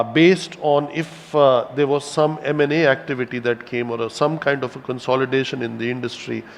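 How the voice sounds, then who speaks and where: A man delivers a corporate presentation to investors in a big, echoing hall. His pitch sits in the middle range, and he speaks in measured, halting phrases, stretching words for emphasis. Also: slight background noise. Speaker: company executive presenting to investors. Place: hotel event hall with audience present. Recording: reverberant hall sound.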